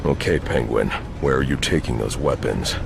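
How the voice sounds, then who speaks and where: A man's voice: extremely low pitch, moderate pace, background noise. An actor playing a grim, terse male vigilante who speaks in short clipped lines in a game cutscene. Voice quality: gravelly, terse. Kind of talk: video game cutscene acting.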